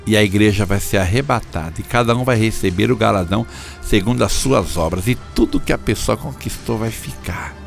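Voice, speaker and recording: Gravelly preacher, theatrical. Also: male voice, on the low side, fairly quick, soft background music. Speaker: pastor. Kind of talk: sermon.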